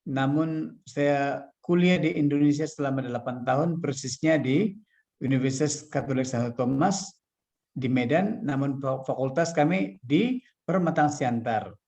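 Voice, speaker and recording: A Catholic priest from Malaysia giving a devotional talk and reading a story aloud, measured and unhurried with occasional restarts. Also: male voice, medium pitch, darkish tone.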